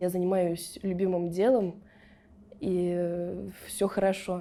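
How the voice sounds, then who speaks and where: A woman speaks at a medium pitch in a French accent, her tone dark and mellow. Her pace is very slow. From France. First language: French (speaking Russian). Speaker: actress. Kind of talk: interview.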